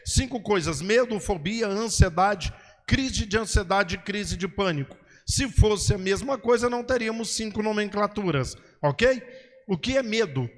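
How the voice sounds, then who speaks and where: A man's voice: high-pitched, lively intonation, normal speed, long reverb tail. A male preacher teaching in a sermon style, asking and answering his own questions and checking in with "ok?" and "understood?". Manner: didactic, repeats "ok?" and "entendeu?", asks and answers his own questions.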